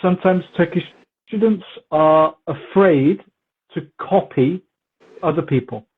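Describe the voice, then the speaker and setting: Brief: man, language teacher, husky, slightly high voice, tinny phone-like sound. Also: unhurried. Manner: relaxed, repetitive for emphasis, mixes in Turkish words. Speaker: English teacher interviewed as guest. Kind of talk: casual conversational Q&A. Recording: muffled phone-like audio.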